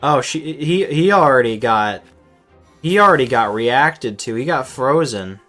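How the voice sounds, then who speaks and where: A man's voice: mid-range voice, animated, measured pace, sharp tone. A man streaming a game with casual, exasperated, sweary running commentary, often stammering over repeated words. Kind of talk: casual live gameplay commentary. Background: game music.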